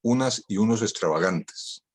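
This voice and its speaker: This is an older man from Spain whose first language is Catalan, speaking in a low voice. He gives a talk over a video call and sounds witty and ironic. He drives his points home by repeating phrases. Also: lively intonation, normal speed, husky. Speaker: guest speaker. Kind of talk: online talk.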